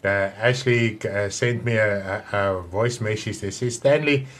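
A man in his fifties with a South African accent, an Afrikaans speaker, chatting warmly and rambling through a church broadcast welcome from his home. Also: fairly low pitch, a little slow. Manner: chatty, rambling, with many restarts and hand gestures. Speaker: pastor. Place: home room with wall of plates, indoors.

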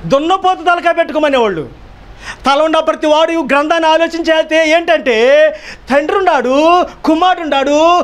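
A man pastor delivering a sermon, emphatic, firing rhetorical questions and repeating key phrases. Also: very high-pitched.

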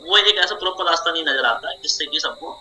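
A man's voice: on the high side, fast, sharp tone. Young male meeting host, persuasive and repetitive, video-call audio with faint background music. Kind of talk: explaining to a group on a video call.

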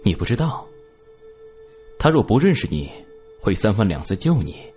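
An actor playing a domineering, cold-tempered young lord in an audio novel, with a cold, menacing delivery. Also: male voice, lowish voice, big pitch swings, normal speed, breathy edge. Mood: angry. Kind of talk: audiobook drama acting. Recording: slightly dull audio with soft music.

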